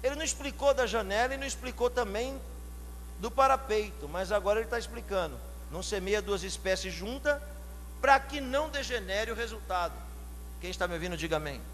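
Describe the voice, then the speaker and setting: A man from São Paulo with a São Paulo Portuguese accent, preaching a sermon, questioning the congregation and building to loud shouted climaxes. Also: high voice, expressive, fairly quick. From São Paulo, Brazil. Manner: asks the congregation direct questions. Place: church hall. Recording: long hall reverb, faint hum.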